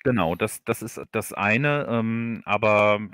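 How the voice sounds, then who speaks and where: A man with a fairly low voice, recorded close and dry. He talks casually as a guest on a livestream, explaining in a halting way and often repeating words as he goes. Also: a bit bright, clear, resonant tone, dry recording. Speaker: audio drama author, stream guest. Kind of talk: casual livestream interview chat.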